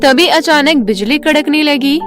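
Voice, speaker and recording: High-voiced woman storyteller over music. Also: a little slow. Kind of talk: scripted children's story narration.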